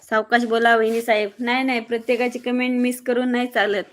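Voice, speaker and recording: A woman from Maharashtra hosting a live stream, briskly greeting viewers by name and reading their comments aloud in a blunt, outspoken way. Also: fairly high pitch, little pitch movement. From Maharashtra, near Mohol. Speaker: livestreamer.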